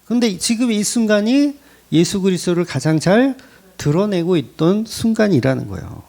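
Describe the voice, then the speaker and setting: A man's voice: high-pitched, normal speed, vocal fry. A man preaching a sermon as a pastor, speaking conversationally and asking his congregation questions. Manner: lively, rising emphasis. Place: church.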